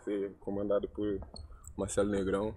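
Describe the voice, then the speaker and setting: Light background noise sits behind the speaker. He is a man with a fairly low pitch. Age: 20s. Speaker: volleyball player; interviewee. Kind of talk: casual interview. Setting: volleyball court during training. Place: stadium. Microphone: handheld.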